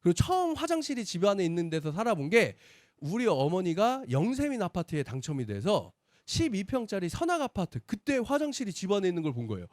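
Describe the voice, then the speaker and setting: Lively man telling stories at a sales seminar. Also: high voice, fairly quick, dry recording, studio quality. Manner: animated storyteller, acts out quoted dialogue. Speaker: business presenter.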